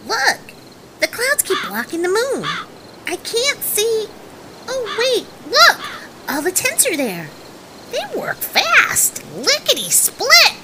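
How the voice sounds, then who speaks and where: A woman's voice: extremely high pitch, huge pitch swings, slow pace, heavy background noise, full character voice. A woman playing an eager, wheedling little child in an audio drama, coaxing and exclaiming with wonder. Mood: curious wonder.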